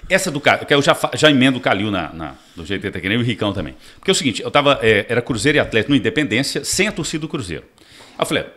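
A man's voice: medium pitch, rapid-fire. A man telling a story as a guest in a casual podcast chat. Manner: animated, laughing storyteller. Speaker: guest impressionist.

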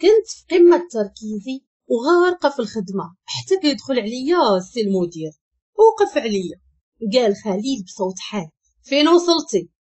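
A woman with a Moroccan accent narrates a first-person story. Her voice is husky and fairly high, and its pitch moves a lot as she tells it. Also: fairly quick. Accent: Moroccan Arabic. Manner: lively, expressive storytelling.

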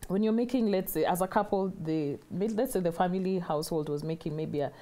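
A woman's voice: lowish voice, brisk, mellow. A middle-aged woman with a Kenyan accent, explaining reflectively in a studio interview and rephrasing points for emphasis. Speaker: guest financial consultant.

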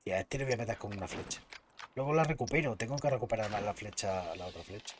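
A man's voice: fairly low pitch, lively intonation, fast, noisy background. A man from Spain with a Spanish accent, chatting casually and swearing freely as he comments on his gameplay. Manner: chatty, swears freely, bursts out loudly at surprises. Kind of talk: casual let's-play commentary.

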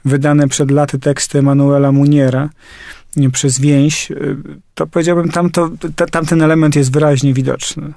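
A man's voice: on the high side, little pitch movement, moderate pace, mellow, no echo, studio quality. A man from Poland hosting an interview, asking thoughtful questions and adding his own commentary with qualifying phrases. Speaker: interviewer host.

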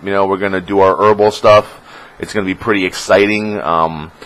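Low-voiced young man rambling on his vlog. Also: fairly even intonation, a little fast, a bit bright, low-quality recording. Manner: rambling, filler-heavy, swears and mocks trolls in squeaky voices. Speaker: streamer. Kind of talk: casual vlog talk.

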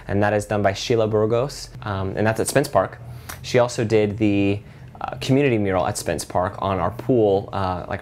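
A man in his thirties, a city program director, speaking earnestly in an office interview on a lapel mic, with frequent fillers and restarts. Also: lowish voice. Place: office with window blinds.

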